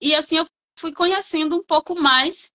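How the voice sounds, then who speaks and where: In a Bahian accent, a raised, projected voice with a bright, sharp tone comes across with a dry, close sound with no echo. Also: woman. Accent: Bahian accent, noticeable. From Bahia interior, Brazil. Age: 30s. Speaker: client sharing experience. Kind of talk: testimony.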